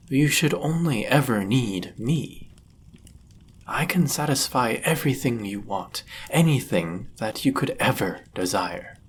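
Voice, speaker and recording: A man's voice: medium pitch, vocal fry, slight background noise. A man voicing a powerful, possessive demon in love, speaking intensely and formally in a dramatic fantasy audio roleplay. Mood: possessive, insistent. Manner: intense, deliberate, formal and archaic phrasing. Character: powerful, possessive, lovestruck male demon bound to a sorcerer.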